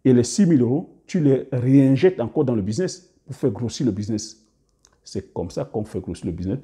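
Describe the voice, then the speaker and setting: Dark-voiced man giving hesitant advice. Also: mid-range voice, lively intonation, a little fast. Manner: hesitant, many fillers and restarts; trails off quietly at phrase ends. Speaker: business coach YouTuber. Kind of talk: casual advice monologue to camera.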